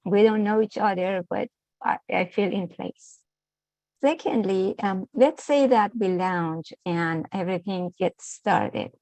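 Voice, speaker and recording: A woman of sixty speaks slowly and hesitantly, often pausing on "um". Her voice sits at a typical pitch for a woman. The sound is dry and close. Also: darkish tone, no echo, low-quality recording. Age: 60s. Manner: hesitant, with frequent ums. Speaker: participant on a call.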